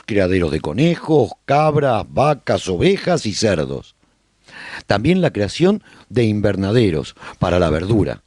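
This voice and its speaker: Guy acting as apocalypse survivor telling his story on a radio serial, mellow raspy voice, really varied intonation. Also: deep voice, no echo, clean studio sound, exaggerated voice. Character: male survivor recounting life after a zombie apocalypse. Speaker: narrator of a serial radio drama. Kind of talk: scripted first-person radio drama narration.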